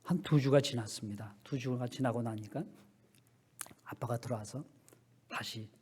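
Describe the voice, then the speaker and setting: A male pastor giving a sermon, telling a story softly and then rising into loud, emphatic appeals. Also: fairly high pitch, husky.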